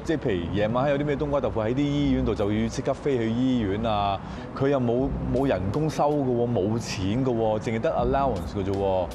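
A young man hosting a TV show, chatting and interviewing in a casual, animated way inside a church. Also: medium pitch, quick pace, hardly any pauses, noisy background. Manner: animated, chatty, many "yes" and "okay" back-channels. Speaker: TV show host. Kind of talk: casual interview, mixing Cantonese and English.

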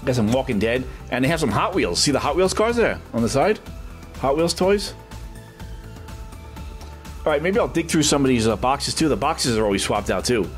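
At a moderate pace with long pauses and faint music in the background, a middle-aged man of medium pitch narrates a walking vlog. He goes from the street into a small comic shop, rambling casually with many "uh" fillers and growing excited over books he finds.

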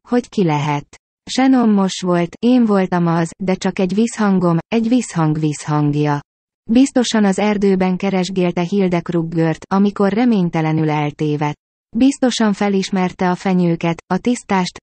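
Female audiobook narrator, low dark voice, dry close-miked read, measured with tense peaks. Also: no room sound. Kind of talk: first-person audiobook narration.

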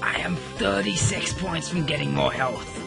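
A man's voice: fairly high pitch, normal speed, vocal fry. A man playing a game and giving offhand running commentary as co-host. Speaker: let's play player and co-host. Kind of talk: casual gaming commentary. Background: game music and gunfire.

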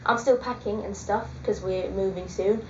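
A woman's voice: medium pitch, steady tone, normal speed, noisy background. A woman in her twenties chatting casually to her webcam, hesitant with many ums. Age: 20s. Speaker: vlogger. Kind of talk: casual chat. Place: small indoor room. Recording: echoey room, dull lo-fi webcam audio.

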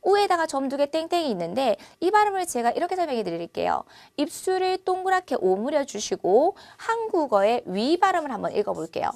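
Bright-voiced woman teaching Chinese vowels. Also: high-pitched, no echo. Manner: lively, drills vowel sounds loudly and slowly. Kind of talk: online language lesson.

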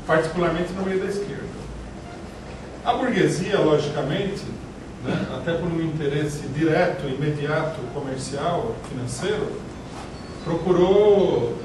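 A man in his forties with a Brazilian Portuguese accent lectures in a measured, halting way, often pausing and restarting his sentences. His voice sits fairly high for a man. He is recorded from a distance in a small, echoey room with a steady noise underneath. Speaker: party leader giving a lecture. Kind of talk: political lecture. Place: small meeting room indoors.

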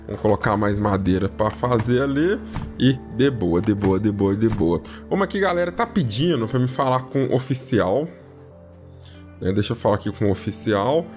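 A man giving casual, excitable commentary as he plays a video game, constantly calling out to his viewers. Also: normal speed, faint music behind. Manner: chatty, repeats "ó" and "galera" constantly; lively and excitable, jumps in pitch when surprised. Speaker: gaming YouTuber.

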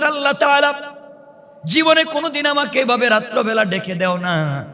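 A man preaching an Islamic sermon as dramatic, plaintive storytelling, with repeated phrases and drawn-out, chant-like calls. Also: high voice, bright, forceful tone. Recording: long hall reverb from PA.

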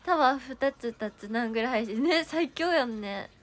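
A slightly high, animated voice at normal speed belongs to a young woman with a Kansai accent, an idol doing a laid-back livestream. Coughing and with a sore throat, she reads viewer comments and thanks those who sent them.

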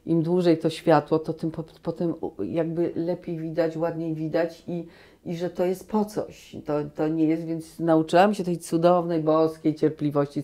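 Low-pitched woman guest in her sixties, mellow voice, lively anecdotes, lapel mic in a small room. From Poland. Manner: animated storytelling with many restarts. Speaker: guest actress. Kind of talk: relaxed reminiscing conversation. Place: small cozy room, indoors.

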